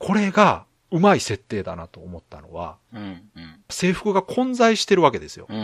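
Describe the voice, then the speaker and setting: On a very clean recording with a silent background and a dry, close sound with no echo, a man speaks at a moderate pace with big swings in loudness. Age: middle-aged. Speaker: podcast co-host. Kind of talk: casual chat.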